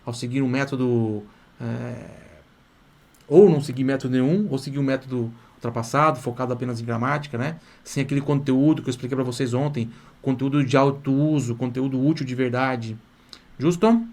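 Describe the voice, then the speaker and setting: A Brazilian man with a mid-range voice teaches a live online class at a brisk clip. He speaks with eager enthusiasm, coaxing his students along and checking in with them often. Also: mid-range voice, fairly even intonation, darkish tone. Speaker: language teacher and course host.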